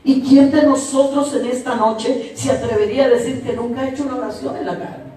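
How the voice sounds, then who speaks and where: A woman preacher delivers an emphatic sermon in a high voice, stacking repeated phrases and talking directly to the people. The sound comes from well back in a church hall with heavy echo. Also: steady tone, fairly quick, dark tone. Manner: emphatic, repetitive, addresses congregation directly. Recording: very echoey hall, distant mic.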